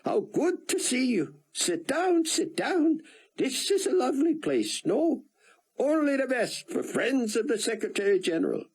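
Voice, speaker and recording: A man voicing an exuberant elderly male scientist with a thick Israeli accent, in a high, lively voice. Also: unhurried, slightly rough, heavily acted.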